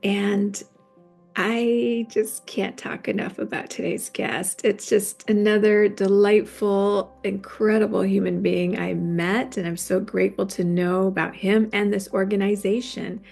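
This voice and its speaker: A woman's voice: medium pitch, flat delivery, unhurried, gravelly, darkish tone, soft background music. A woman hosting a podcast, introducing her guest with gushing enthusiasm. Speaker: podcast host. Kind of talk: podcast interview.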